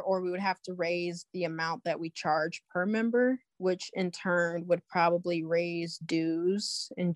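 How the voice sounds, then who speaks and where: A young woman giving anonymous interview answers, her voice disguised and pitched down to hide her identity, speaking slowly with fillers. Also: dry recording. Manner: slow, measured, with fillers like "um" and "like".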